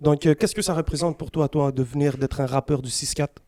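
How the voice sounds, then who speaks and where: A man interviewing a young rapper, asking easygoing, halting questions. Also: a little high, fairly even intonation, mellow, dry recording, clean studio sound. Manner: easygoing, hesitant questions with fillers.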